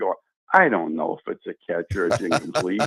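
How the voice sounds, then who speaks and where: The speaker is a man with an American accent. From Stockton, California. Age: 70s. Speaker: retired football officiating chief, TV rules analyst. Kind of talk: radio interview. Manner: halting, many repeated words.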